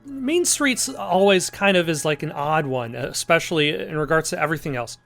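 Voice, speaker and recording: A man with a fairly high voice gives casual let's play commentary. He wanders into halting asides, with light music behind him. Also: lively intonation, gravelly, fairly bright tone. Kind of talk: casual game playthrough commentary.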